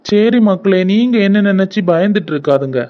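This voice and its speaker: A man's voice: high-pitched, lively intonation, a little fast. A man voicing a tired middle-aged working father in a cartoon, plain-spoken. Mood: weary. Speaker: voice actor for several male figures. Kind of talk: cartoon voice acting. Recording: dull lo-fi sound.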